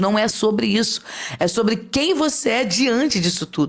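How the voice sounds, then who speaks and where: A woman is speaking, with noticeable background noise behind her. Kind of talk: devotional talk. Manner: clear diction.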